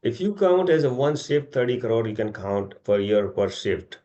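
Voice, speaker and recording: A man's voice: mid-range voice, sing-song, normal speed, mellow, dull audio. A middle-aged man with an Indian accent, answering investor questions informally as a company executive in a rambling way, often seeking agreement with tag questions.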